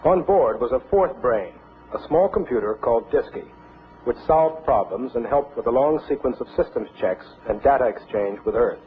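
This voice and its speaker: A man delivering poetic scripted documentary narration in measured, dramatic phrases. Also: mid-range voice, lively intonation, phone-quality sound, background noise. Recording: thin band-limited sound under music. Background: music.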